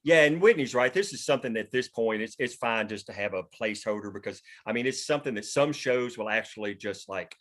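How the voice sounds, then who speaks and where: A man with an average-pitched voice talks informally on a group video call. He sounds like someone running a casual creative meeting, speaking in an unscripted, conversational way. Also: lively intonation, fast talker, few pauses, fairly bright tone. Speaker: show co-creator leading a table read meeting.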